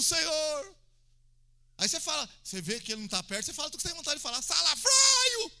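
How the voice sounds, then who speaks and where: A Brazilian man preaching with a high, very bright and forceful voice. He keeps it colloquial and conversational and breaks into loud, high-pitched cries when acting out a prayer. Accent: Brazilian Portuguese. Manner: animated, acts out prayers with sudden loud high shouts. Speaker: pastor. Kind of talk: evangelical sermon.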